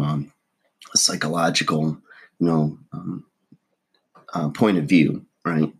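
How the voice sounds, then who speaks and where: Husky low-voiced man, froggy morning voice. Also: fairly bright tone. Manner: rambling, many fillers and restarts. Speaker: vlogger giving relationship advice. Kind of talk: casual talking-to-camera monologue.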